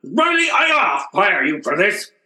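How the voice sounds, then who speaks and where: Radio comedy role: male actor as peevish, stingy boss, theatrical, wildly swooping high voice, roomy sound. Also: wildly swooping pitch, slow pace, sharp tone, exaggerated voice. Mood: exasperated. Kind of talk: old-time radio comedy acting.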